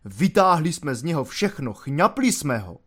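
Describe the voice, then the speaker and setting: A man voicing a pompous, stern gendarme sergeant who gives orders solemnly and loudly. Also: on the high side, big pitch swings. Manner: solemn, bossy, barking orders.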